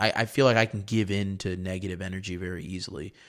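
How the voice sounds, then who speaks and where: A man with an unremarkable speaking voice, fairly low in pitch, speaks at a moderate pace on a very clean recording with a silent background. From Chicago. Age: 20s. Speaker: stand-up comedian. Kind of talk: casual chat.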